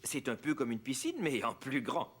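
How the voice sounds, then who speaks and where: A man's voice: mid-range voice, sing-song, normal speed, a bit bright, a little hiss or hum. An actor playing a patient, cheerful cartoon father who reassures his son. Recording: clear music underneath.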